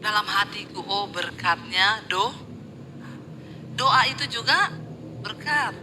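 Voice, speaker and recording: A woman's voice: mid-range voice, lively intonation, slow, noisy background. A middle-aged woman pastor, preaching a live church sermon, telling stories with acted-out quotes and jokes.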